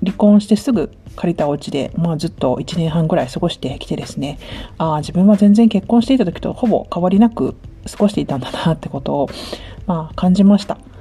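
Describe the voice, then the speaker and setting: With noticeable background noise behind her, a woman speaks at a medium pitch, with lively intonation and big swings in loudness. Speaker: solo podcaster on life after divorce. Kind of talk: casual monologue.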